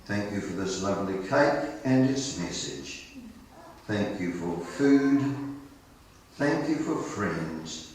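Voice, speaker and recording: A man speaking in a measured, deliberate way as a clergyman addressing and blessing a gathering. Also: deep voice, big pitch swings, darkish tone. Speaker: clergyman giving a blessing at a book launch. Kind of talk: informal event address and prayer. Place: roomy indoor gathering, mic at a distance. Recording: echoey room, distant mic, faint noise.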